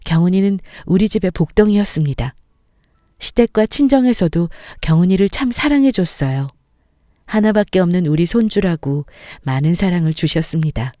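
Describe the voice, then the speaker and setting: A woman tells a family story in calm, gentle narration. Her voice sits a little low, and the sound is dry and close, with no room around it. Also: normal speed, dry recording.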